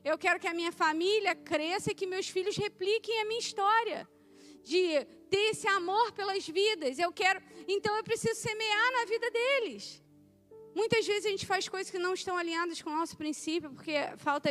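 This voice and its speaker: A woman's voice: very high voice, moderate pace, fairly bright tone. A woman preaching a sermon in a conversational, emphatic way, speaking of her children and her faith.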